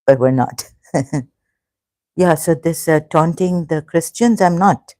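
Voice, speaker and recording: A speaker from Pakistan, an online religion commentator rambling through a solo livestream in a halting, emotional way with many broken-off phrases. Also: mid-range voice, darkish tone, no room sound, clean studio sound. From Pakistan, grew up in Karachi.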